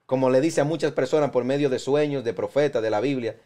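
A young man chatting on a Christian youth panel, an animated storyteller who jokes between points. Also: medium pitch, fast. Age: young adult. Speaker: youth preacher in panel talk. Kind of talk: casual Christian panel chat.

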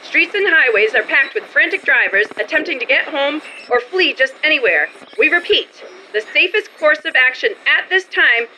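A woman's voice: high voice, expressive, normal speed, hardly any pauses, pushed and bright, a little hiss or hum, exaggerated voice, low-quality recording. A middle-aged woman playing an emphatic radio news reporter reading an urgent bulletin in an old-time style. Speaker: stage actor reading a script. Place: theater stage. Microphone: stand microphone.

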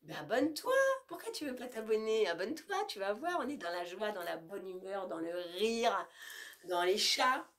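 A woman's voice: mid-range voice, lively intonation, normal speed, a bit bright. A woman in her fifties chatting casually to camera about her groceries, a little stuffy with a cold, cooing to her cat now and then. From France. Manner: chatty and playful, coos and baby talk to her cat. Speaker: vlogger. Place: bedroom with leafy wallpaper, indoors. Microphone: camera in front at close range.

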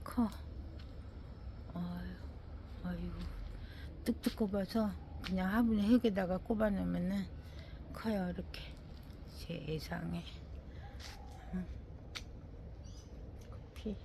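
A woman's voice: lowish voice, steady tone, slow pace, vocal fry, long pauses, dark tone, slight background noise. A woman giving a casual commentary while showing her indoor winter garden, sighing over her plants and now and then talking to them and her dog. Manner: talks to plants and scolds her dog, frequent sighing exclamations. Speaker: gardening vlogger.

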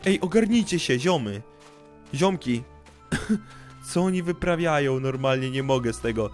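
A young man giving excited let's-play commentary, animated and often breaking into shouted, panicky outbursts. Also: mid-range voice, a little slow, faint music behind. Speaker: gaming YouTuber.

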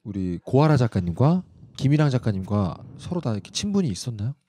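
A man in his thirties hosting a casual interview, bantering in quick, animated bursts. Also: mid-range voice, breathy edge, no room sound, clean studio sound. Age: 30s. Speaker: host.

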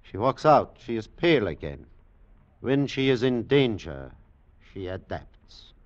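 An actor playing a grave, world-weary older German scientist in a 1940s radio drama, speaking deliberately. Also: male voice, on the low side, big pitch swings. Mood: grave, foreboding. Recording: muffled 1940s radio broadcast.

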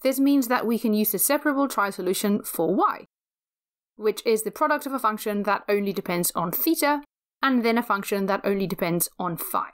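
A woman giving a scripted physics lecture, explaining step by step in a measured, methodical way. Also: medium pitch, lively intonation, a bit bright.

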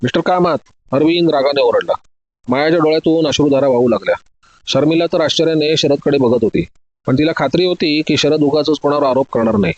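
A man reading a detective audio story in a steady, clear narrating voice. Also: a little high, fast, no echo, highs cut off.

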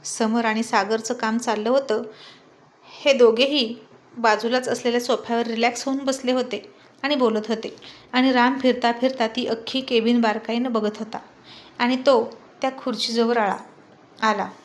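A woman storyteller narrating a serialized love story in a steady, descriptive way. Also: on the high side, moderate pace.

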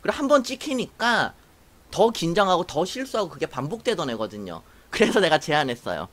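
A young woman telling a personal story to camera in a casual, animated way, acting out what others said. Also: lowish voice, brisk. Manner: animated, acts out quoted voices, laughs while telling. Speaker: YouTuber.

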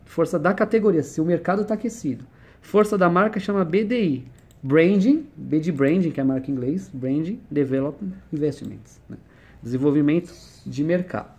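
A man's voice: a little high, normal speed, a little mellow, husky. A man explaining business ideas in a conversational one-on-one lesson, using everyday examples and questions.

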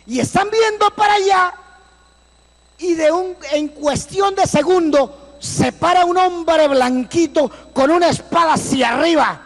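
A man tells his survival testimony to a church congregation, his voice pitched unusually high for a man. He acts out the other people in his story and bursts into sudden shouts. His voice rings out with a long reverb through a large church hall. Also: measured pace.

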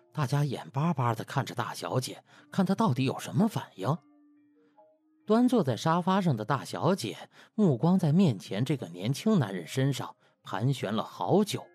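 A man's voice: medium pitch, a little mellow, breathy edge, no echo. A man narrating a novel as an audiobook, in a scripted storytelling style.

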